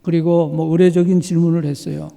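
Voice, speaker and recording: A middle-aged man preaching a sermon as pastor, earnest and measured, with dramatic pauses. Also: a little high, flat delivery, vocal fry, warm tone. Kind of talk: sermon with illustrations. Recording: long hall reverb.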